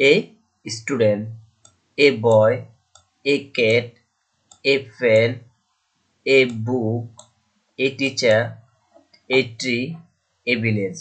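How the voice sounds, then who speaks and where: Male teacher drilling grammar. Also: mid-range voice. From Bangladesh. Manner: asks questions and answers them himself, repeats key points. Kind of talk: classroom grammar lesson.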